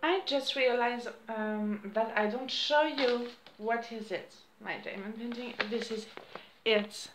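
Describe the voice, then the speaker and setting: French lady vlogging at home, slow halting english, bit hoarse, echoey room. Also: fairly high pitch, noisy background. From France. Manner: halting non-native English with frequent restarts and apologies. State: losing her voice. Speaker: crafts vlogger. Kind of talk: casual chat to camera. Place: small room indoors at home. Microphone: camera on a desk close by.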